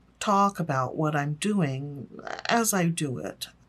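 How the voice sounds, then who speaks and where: Mumbling at a very slow pace, a woman with a very deep, low pitch speaks in a relaxed, calm tone with ordinary pitch variation. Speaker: artist. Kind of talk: live unscripted narration while painting. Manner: mumbling, hesitant.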